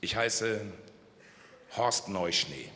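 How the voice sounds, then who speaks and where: A man playing a taciturn male Alpine ski instructor in a stage joke, giving low, curt, stubborn replies. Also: animated, drawn-out words, sharp tone, full character voice. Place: large carnival hall stage. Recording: echoey hall with long reverb.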